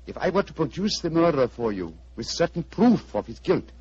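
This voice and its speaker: A man playing Sherlock Holmes as a calm, probing detective, with courteous, insistent speech, in 1940s radio drama style heard on an old broadcast recording. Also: a little high, fairly quick, husky. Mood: determined. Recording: dull lo-fi vintage radio broadcast.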